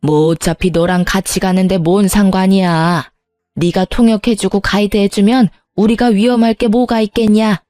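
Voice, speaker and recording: A woman's voice: medium pitch, fairly even intonation, normal speed, mellow, no echo, clean studio sound, natural voice. A woman voicing a pushy, scornful older mother-in-law in a storybook-style tale. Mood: demanding. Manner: demanding, scornful.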